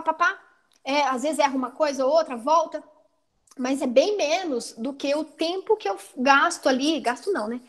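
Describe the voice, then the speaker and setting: Woman, Brazilian accent, high voice, teacher training, lively explaining, video call. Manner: lively, explanatory, frequent "né" tags. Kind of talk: online teacher training talk.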